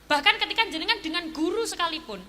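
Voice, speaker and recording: High bright-voiced woman preacher, echoey hall. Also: fast talker. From Indonesia. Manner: animated storyteller acting out dialogue. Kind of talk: religious sermon with storytelling. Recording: echoey hall with faint noise.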